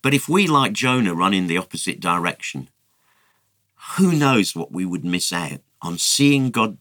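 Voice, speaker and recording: A man telling a Bible story on radio in an animated teaching manner, chuckling as he goes. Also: sits low, dry recording. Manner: lively storyteller, chuckles often.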